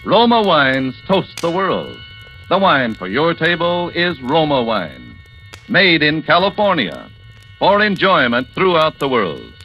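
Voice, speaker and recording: A man reading a 1940s radio wine commercial in a slow, lilting way. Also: a little high, wildly swooping pitch, muffled recording, faint music behind. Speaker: commercial announcer.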